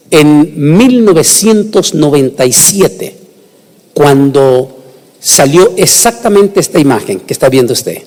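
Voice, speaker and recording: A man preaching a sermon, emphatic, with sudden rises in pitch and frequent restarts. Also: a little mellow. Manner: emphatic, rising and falling delivery with restarts. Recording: long hall reverb.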